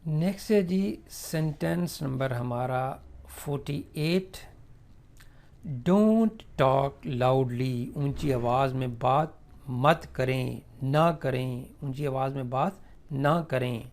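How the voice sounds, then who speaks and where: Gravelly man teaching English phrases. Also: mid-range voice. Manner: slow, drawn-out model sentences in English, then Urdu explanation with many fillers. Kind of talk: spoken English lesson explained in Urdu.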